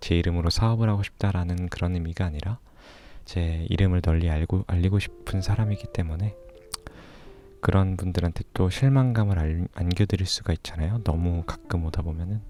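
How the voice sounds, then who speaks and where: A man's very deep, low voice at a moderate pace and fairly even intonation, with music in the background. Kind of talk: casual ASMR talk to camera. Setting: studio.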